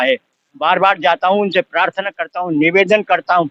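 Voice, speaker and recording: A man with a high pitch speaks at a moderate pace. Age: 70s. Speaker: farmer. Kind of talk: street interview.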